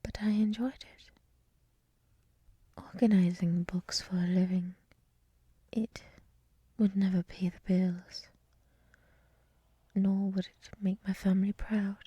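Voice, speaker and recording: A woman voicing a gentle dryad librarian in a soft, breathy whisper for an ASMR roleplay, speaking in a hushed, soothing, reflective way close to the microphone. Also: mid-range voice, level tone, slow pace, pauses often, no room sound. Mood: wistful, confiding.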